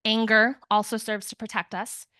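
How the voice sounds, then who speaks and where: A young woman counselor gives a relaxed, conversational conference talk, slipping into quoted voices and joking at her own expense. Her voice is bright and clear. The sound is dry and close. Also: fairly high pitch, moderate pace, dry recording. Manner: conversational, self-deprecating asides, acts out quotes. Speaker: grief counselor.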